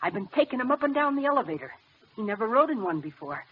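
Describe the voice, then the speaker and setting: A performer plays an eager young boy helper in a vintage radio play, polite and very lively in pitch. The recording is dull with faint background noise. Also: fast, natural voice. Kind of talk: 1940s radio acting.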